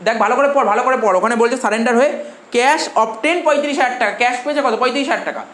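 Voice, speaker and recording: Fast-talking Bengali teacher, echoey classroom. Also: male voice, extremely high pitch, a bit bright. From India. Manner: repetitive, questioning students. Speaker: commerce teacher. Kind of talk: classroom lecture. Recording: echoey room with faint noise.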